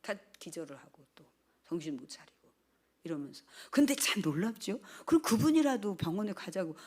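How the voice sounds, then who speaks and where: An older woman pastor giving a sermon testimony, telling her story with lively, animated delivery and acting out quoted speech. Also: medium pitch, brisk, husky.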